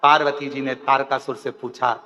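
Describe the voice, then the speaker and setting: A man's voice: medium pitch, normal speed, lo-fi sound. A man preaching a devotional Hindu katha, acting out the figures' dialogue and breaking into song. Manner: animated, acts out dialogue, breaks into bhajan singing. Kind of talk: devotional storytelling sermon with song. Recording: long hall reverb, faint music.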